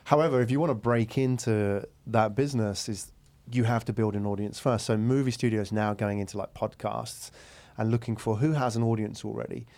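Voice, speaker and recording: A man's voice: fairly low pitch, steady tone, fairly quick, darkish tone. A man hosting a conversational business podcast interview in a studio, often checking agreement as he talks.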